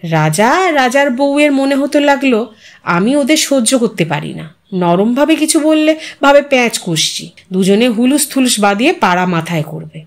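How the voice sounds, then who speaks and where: A woman's voice: a little high, expressive, moderate pace. A woman narrator plays an elderly widow in an audio story. She is resigned and wistful, confiding her life to an old friend in a musing, weary way. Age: older.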